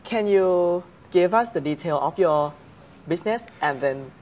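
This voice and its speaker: A woman's voice: on the low side, expressive, a little slow, a little mellow. A woman interviewer asking a student about himself, encouraging and laughing easily. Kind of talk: casual interview. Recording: faint background noise.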